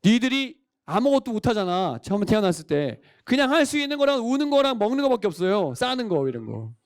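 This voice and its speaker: A man's voice: high-pitched, very animated, fast talker, clean tone, no echo, studio quality. A male pastor preaching a sermon, quizzing the congregation and calling for amens. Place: church worship service.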